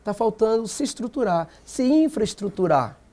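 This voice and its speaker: A man's voice: sits high, very animated, normal speed, dark tone. A Brazilian man, an activist guest on a TV panel, arguing emphatically with rhetorical questions. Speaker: black movement activist guest. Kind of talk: TV panel debate.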